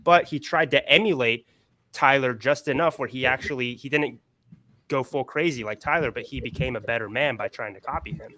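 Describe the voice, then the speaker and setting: Bright-voiced man musing aloud on a panel. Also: medium pitch, fairly quick. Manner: explains at length, checks in with "right?". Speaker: podcast panelist. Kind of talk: casual panel chat.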